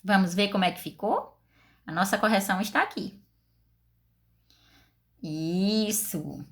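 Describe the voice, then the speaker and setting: Woman, teacher, Brazilian Portuguese accent, slow, expressive, questioning pupils. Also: medium pitch. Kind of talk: recorded class lesson.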